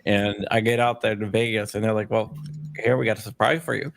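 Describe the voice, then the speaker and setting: A man's voice: lowish voice, fairly even intonation, brisk, gravelly. A man hosting a casual live chat, talking eagerly with stammering restarts. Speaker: host.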